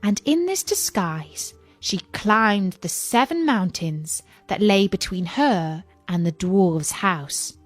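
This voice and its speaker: A woman reading a fairy tale aloud for English learners in a slow, expressive storytelling manner. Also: mid-range voice, no echo, faint music behind.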